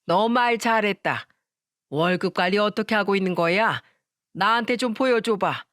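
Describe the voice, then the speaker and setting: A woman's voice: mid-range voice, normal speed, a bit bright, no echo, studio quality, natural voice. A woman putting on a scolding suspicious mother-in-law. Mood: accusing. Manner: scolding, accusing.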